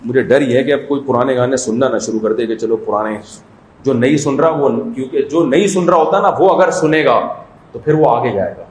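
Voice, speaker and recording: A man's voice: mid-range voice, a little mellow, reverberant, poor audio. A man giving a humorous Islamic sermon as a mufti, telling stories in a joking, conversational way. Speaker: mufti giving a religious talk.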